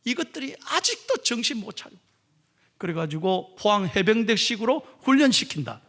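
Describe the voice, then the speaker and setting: A man's voice: high voice, very animated, moderate pace, sharp tone. A man preaching a sermon as pastor, emphatic, leading the congregation in reading aloud.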